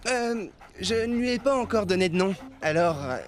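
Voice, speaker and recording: A man's voice: high voice, lively intonation, moderate pace. A man playing an earnest, apologetic young dog owner in a French-dubbed children's cartoon, hesitant and stammering. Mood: apologetic, sincere. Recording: music behind the voice.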